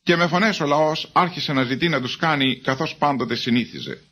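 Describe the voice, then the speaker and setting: A man giving a measured, formal reading of scripture as a Bible reader. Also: a little high, sharp tone.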